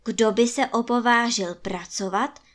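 A woman voicing a boastful adult gentleman in a children's storybook reading, talking emphatically. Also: a little high, close to an everyday voice. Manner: emphatic, indignant.

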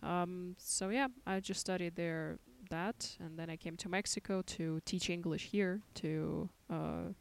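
A woman's voice: fairly low pitch, fairly even intonation, measured pace, vocal fry, few pauses. A woman from Russia, a native Russian speaker, talking as an English-teacher guest, modest and thoughtful, laughing often. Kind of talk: casual interview chat.

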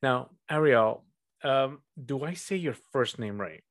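A man's voice: medium pitch, expressive, a little slow. Upbeat guy hosting a chill podcast chat over video call, lots of ums and laughs. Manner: friendly, upbeat, with fillers and laughs. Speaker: podcast host. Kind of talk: casual interview.

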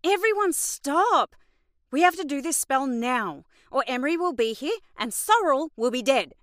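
A woman's voice: high voice, sing-song, moderate pace, fairly bright tone, no room sound, studio quality. A woman playing a harried young witch in an audio drama, urgent and commanding. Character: harried young witch casting spells under pressure.

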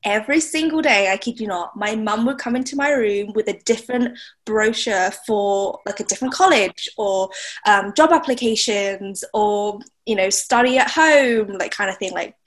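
A woman's voice: mid-range voice, moderate pace, poor audio. A young woman from Thailand, a blogger being interviewed, chatting casually with lots of fillers and laughs. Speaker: blogger, guest.

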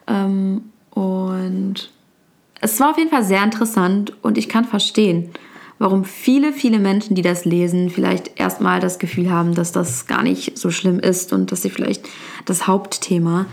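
A woman's voice: mid-range voice, animated, moderate pace, vocal fry, a little mellow. A young woman whose first language is Turkish, talking casually about a book with many fillers and restarts.

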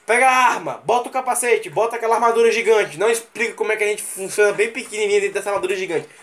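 Hosting a live stream, a man with a Brazilian Portuguese accent launches into a casual, profane rant, mocking scenes through mimicry and sound effects. His voice is high-pitched and fairly bright, and he talks very fast.

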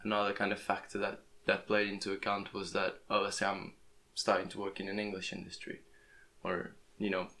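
Hesitant young man, low and flat. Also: a little fast. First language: Portuguese. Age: young adult. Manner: hesitant, restarts words often. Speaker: podcast host. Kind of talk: casual interview chat. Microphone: plugged-in podcast microphone.

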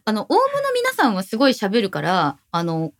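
A woman's voice: medium pitch, wildly swooping pitch, normal speed. A woman co-hosting a podcast in casual chat, playful and imitating sounds as she talks. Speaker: podcast co-host.

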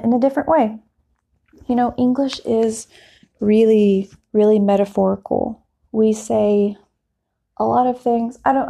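A woman speaks in a patient teacher voice with a soft-edged, mellow tone and noticeable vocal fry. Her pitch sits in a middle range as she explains language points in simple, reassuring terms, like an unscripted podcast lesson. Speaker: podcast host and English teacher.

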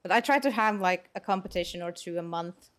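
A woman's voice: on the low side, brisk. Laughing Finnish woman podcast guest. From Finland. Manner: relaxed, laughs often between phrases. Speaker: guild master guest. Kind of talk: casual podcast chat.

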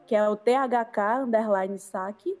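A woman's voice: medium pitch, measured pace, darkish tone, soft background music. A woman with a northeastern Brazilian accent from Recife, chatting casually as a guest on a podcast.

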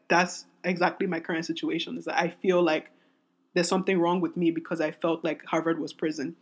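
A woman in her twenties hosting a solo podcast, talking in a candid, rambling way with many restarts, her voice raspy and strained from singing. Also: fairly low pitch. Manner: rambling, self-interrupting, candid. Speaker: podcast host.

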